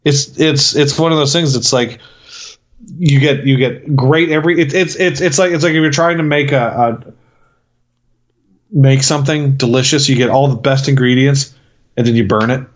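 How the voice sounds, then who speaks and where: A man's voice: mid-range voice, steady tone, moderate pace. A man co-hosting a movie review podcast, talking in a rambling, profane way with many restarts. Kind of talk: casual chat. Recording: dull lo-fi sound.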